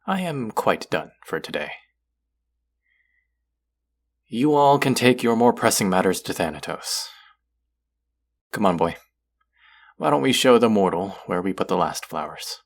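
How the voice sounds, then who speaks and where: A man playing an aloof, lonely lord of the underworld who is secretly soft, speaking formally and wryly to the listener in an intimate audio roleplay. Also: lowish voice, expressive, normal speed. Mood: grudging, softening. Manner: formal, wry, guarded, addressing the listener directly.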